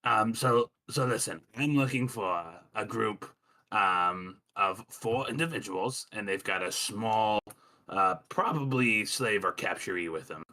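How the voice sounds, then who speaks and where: A man's voice: lowish voice, measured pace, bright, forceful tone. A man playing a brusque, condescending male safety inspector who blusters and talks down, with frequent ums. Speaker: player. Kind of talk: tabletop game role-play.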